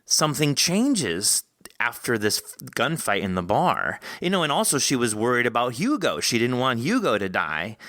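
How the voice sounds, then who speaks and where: A man hosting a podcast, chatting casually and thinking aloud in a rambling, animated way as he discusses fiction with a guest. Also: medium pitch, moderate pace, no room sound. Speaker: podcast host interviewing an author.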